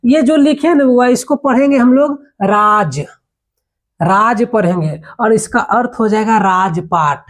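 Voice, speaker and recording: A man teaching a Hindi grammar lesson, explaining patiently, repeating each word slowly and often checking that his listeners follow. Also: sits high. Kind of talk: classroom lesson.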